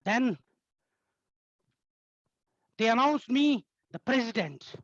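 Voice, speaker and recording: A woman telling a tall tale as a theatrical contest speech, in short, halting, dramatic phrases. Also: fairly high pitch, animated, no echo, lo-fi sound.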